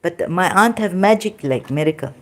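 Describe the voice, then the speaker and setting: A woman with a Pakistani accent and Sindhi as her first language, giving an informal religious talk in halting, broken English with many restarts, tired and soft-spoken as she goes on. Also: on the low side, lively intonation. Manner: tired, winded and soft-spoken in later part. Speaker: religious commentator.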